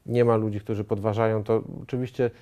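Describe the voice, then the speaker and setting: A man in his thirties, a studio guest answering interview questions in a measured way, with frequent hesitations and restarts. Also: lowish voice, flat delivery, warm tone, lo-fi sound. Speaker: studio guest, member of parliament. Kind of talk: political TV interview. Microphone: lapel mic.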